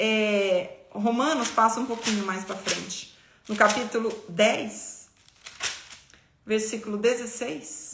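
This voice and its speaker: Fairly slow speech from a woman with a fairly high pitch, plus audible room echo. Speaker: Bible teacher. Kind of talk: Bible study live stream. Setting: live stream.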